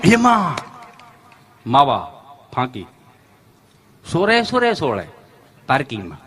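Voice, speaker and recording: A man's voice: fairly high pitch, wildly swooping pitch, slow pace, a bit bright. A man doing folksy stand-up storytelling in a Kathiawadi Gujarati accent, sing-song and full of dialect slang. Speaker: stand-up comedian.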